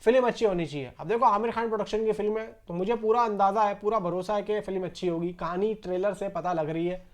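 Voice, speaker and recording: Male film news host, high-pitched voice, casual conversational delivery, repeats points and talks straight to viewers. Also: darkish tone. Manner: conversational, repeats himself, addresses viewers directly.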